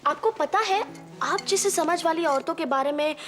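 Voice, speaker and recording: A mocking, sharp-tongued young woman. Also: extremely high pitch, moderate pace, music in the background. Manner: mocking, cutting. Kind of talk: TV serial drama acting.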